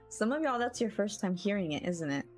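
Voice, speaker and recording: A woman's voice: medium pitch, sing-song, normal speed, darkish tone. A woman streaming a video game and chatting casually with her viewers in a playful, giggly way. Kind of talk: casual live-stream chat. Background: faint game music.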